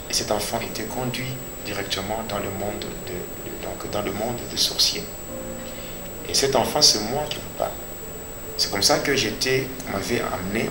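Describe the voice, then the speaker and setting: Male pastor, Congolese accent, creaky voice, deliberate testimony with emphatic repetition, clearly noisy recording. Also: fairly low pitch. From Democratic Republic of the Congo. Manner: deliberate, repeats phrases for emphasis. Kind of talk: personal religious testimony in an interview. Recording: echoey room with clear background noise.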